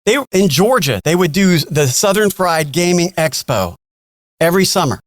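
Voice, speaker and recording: Higher-voiced American man hosting a podcast. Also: very animated, normal speed, no echo, clean studio sound. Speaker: podcast host, interviewer. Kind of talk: casual chat.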